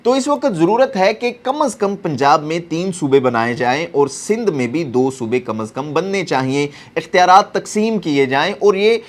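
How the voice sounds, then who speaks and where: A man's voice: on the high side, lively intonation, normal speed, few pauses. Pakistani man giving earnest political commentary.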